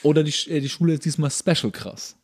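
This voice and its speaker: A man's voice: fairly high pitch, fairly even intonation, fast, a little mellow. A man co-hosting a podcast in casual, sardonic banter. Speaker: podcast co-host. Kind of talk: casual chat, banter while watching TV.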